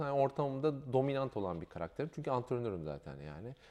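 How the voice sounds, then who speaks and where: A man's voice with very wide pitch swings. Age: 40s. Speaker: ultramarathon runner and coach. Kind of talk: casual chat.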